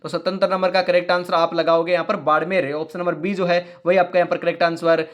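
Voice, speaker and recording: A man teaching a fast quiz-style online exam-prep class, drilling answers over and over, his throat strained from talking fast. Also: sits high, little pitch movement, fairly bright tone. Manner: rapid, repetitive quiz drilling with motivational asides.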